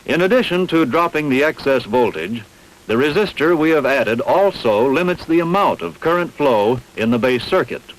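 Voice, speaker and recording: A man reading scripted instructional narration in a measured, didactic, carefully enunciated way. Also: mid-range voice, lively intonation, poor audio. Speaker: training film narrator.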